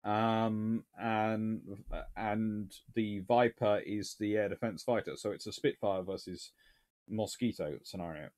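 A man's voice: fairly low pitch, fairly even intonation, a little slow, darkish tone. A man in his thirties, a naval historian answering viewer questions in a casual livestream from a small book-lined room, thinking aloud and restarting sentences as he goes.

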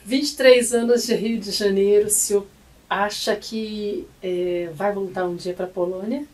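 A woman's voice: mid-range voice, fairly even intonation, measured pace, a little mellow, recorded from a distance. Woman radio host asking questions. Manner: friendly, conversational questioning. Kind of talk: radio interview. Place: radio studio. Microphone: studio mic on boom arm.

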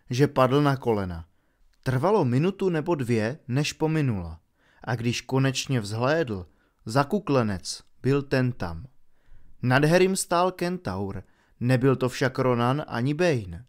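A man narrating an audiobook in a steady, measured way. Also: medium pitch.

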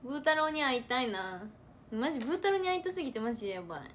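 A young woman from Hyogo with a Kansai accent, chatting casually on a livestream into a phone, animated and repeating words for emphasis. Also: high voice, very fast, slight background noise. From Hyogo, Japan. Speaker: idol trainee livestreamer. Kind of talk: casual livestream chat reading comments.

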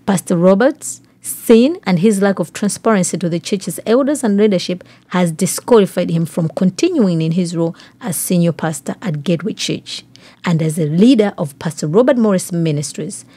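A woman's voice: lowish voice, expressive, normal speed, dark tone, slightly rough, no echo. A woman hosting a podcast, reading news aloud and commenting on it, putting questions straight to the listener. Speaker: podcast host.

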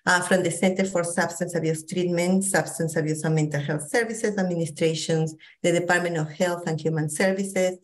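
A middle-aged woman from Peru speaks with a strong Peruvian Spanish accent, her voice sitting a little low. She presents an online training over a video call, talking haltingly with frequent fillers and repeated words. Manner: warm, hesitant with many fillers and restarts. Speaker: psychologist presenter.

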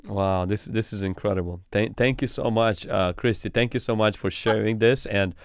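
A man's voice: fairly low pitch, moderate pace, clear, resonant tone, no room sound. A man in his thirties, a pastor hosting a call-in livestream, encouraging callers with short affirmations into a studio mic. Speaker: pastor hosting a live stream. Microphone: studio mic on a boom arm.

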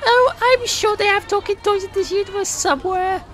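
Gentle, self-doubting audio-play heroine, very high voice, performed by a man. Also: moderate pace, some chatter behind. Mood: cheerful. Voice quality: very high-pitched. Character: gentle, good-hearted young woman, self-doubting. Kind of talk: amateur audio play acting.

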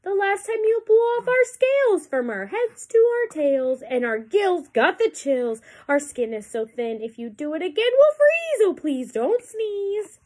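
Woman as a timid, high-pitched pleading fish. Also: very animated, moderate pace, hardly any pauses, a little mellow. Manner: plaintive rhyming plea.

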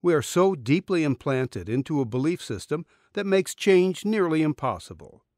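Male narrator, middle-aged, slightly high register, earnest deliberate audiobook read, dry booth recording. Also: very animated, darkish tone, no room sound. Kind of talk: scripted audiobook narration of a spiritual essay. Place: small dim recording booth. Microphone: studio condenser microphone, close.

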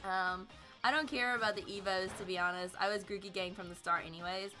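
A woman's voice: medium pitch, fairly even intonation, brisk, sharp tone, soft background music. A young woman in her twenties chatting and reacting while live-streaming a game, her voice a little tired from nights of streaming, laughing and singing along now and then. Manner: chatty, bubbly, laughs often, sings along. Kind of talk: live gameplay commentary.

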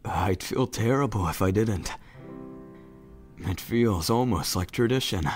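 Slow, low, gentle goat king voiced by a man. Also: soft background music, close to an everyday voice. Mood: fond, wistful. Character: gentle, sentimental adult goat-monster king reminiscing fondly. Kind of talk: comic dub character acting.

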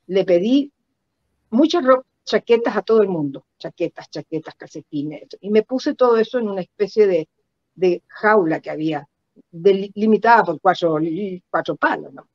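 An older woman with a Chilean accent recounts personal stories reflectively in an interview, halting and repeating words for emphasis over a video call. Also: medium pitch, expressive, no echo. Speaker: guest performance artist. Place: indoor room at home. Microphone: computer mic on a video call. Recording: dull lo-fi video call audio.

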